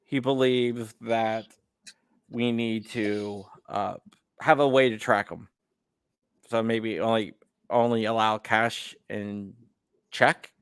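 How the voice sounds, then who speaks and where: A man hosting a casual call-in interview, relaxed and halting, often stammering and restarting. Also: on the low side, smooth, no room sound, clean studio sound. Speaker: host.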